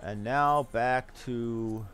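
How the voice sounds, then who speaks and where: A man streams a video game with music playing behind him. His commentary is casual and rambling, as he reasons things out aloud in a mid-to-low everyday pitch. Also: extremely slow, fairly bright tone.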